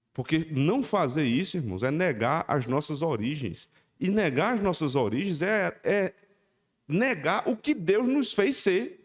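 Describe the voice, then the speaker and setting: A man with vocal fry, a fairly slow pace and very wide pitch swings, on a very clean recording with a silent background. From Paraíba, northeast Brazil. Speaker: pastor. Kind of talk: sermon.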